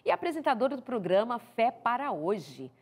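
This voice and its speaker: Woman host from Brazil, faith talk show; animated, lively pitch. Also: moderate pace. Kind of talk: devotional talk show conversation.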